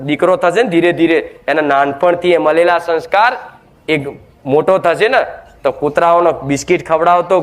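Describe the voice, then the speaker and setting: At a goddess shrine, a man with a slightly high voice preaches a devotional sermon, scolding his audience and firing rhetorical questions at them.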